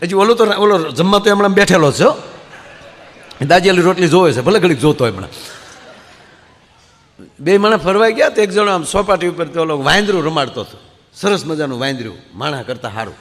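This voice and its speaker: A man telling comic folk stories to a live audience, acting out his characters with quick voice shifts. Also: on the high side, expressive, a bit bright. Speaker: folk comedian storyteller. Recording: hall reverb.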